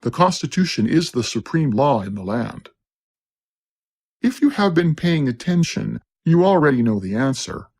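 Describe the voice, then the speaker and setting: A man reading scripted narration in a steady, declaiming cadence. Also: medium pitch, moderate pace, husky.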